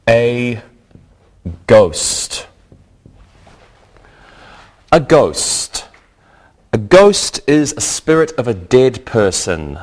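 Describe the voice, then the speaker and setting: A man's voice: lowish voice, a little mellow. A man hosting a scripted English lesson, speaking carefully and repeating words for learners. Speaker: English teacher and host.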